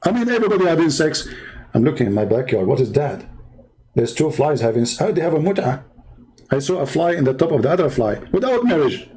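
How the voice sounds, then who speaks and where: A man's voice: fairly high pitch, big pitch swings, fast, warm tone, low-quality recording. A middle-aged man giving sarcastic commentary in broken English, reading from a website and mocking what he reads. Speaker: online religious debater.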